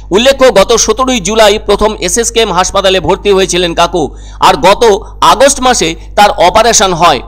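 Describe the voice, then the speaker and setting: A man's voice: high-pitched, fairly bright tone. A man reading scripted news narration as a reporter presenting a story.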